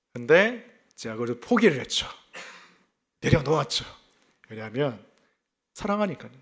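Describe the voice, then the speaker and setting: With a slight Gyeongsang accent, a man speaks at a moderate pace and a fairly high pitch, his pitch swinging very widely between long, frequent pauses. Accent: slight Gyeongsang Korean. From South Korea, Yangsan, South Gyeongsang. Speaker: pastor. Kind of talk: sermon.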